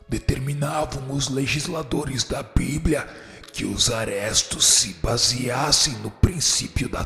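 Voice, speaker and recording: A man's voice: medium pitch, gravelly, fairly bright tone, exaggerated voice. An actor playing a powerful, unforgiving spirit judge in a radio drama, haughty and stern in his pronouncements. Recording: echoey long hall reverb, music underneath. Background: music.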